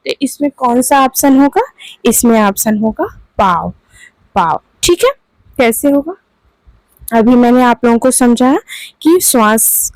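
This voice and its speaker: Slow, high-voiced woman teaching a lesson. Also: darkish tone, no echo, low-quality recording. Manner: slow, repeats "ठीक है दोस्तों" between points. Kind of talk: exam-prep lesson.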